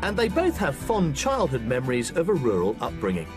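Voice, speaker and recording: Man, TV presenter, scripted narration, upbeat, animated pitch, faint music behind. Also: a little fast. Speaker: TV property show presenter.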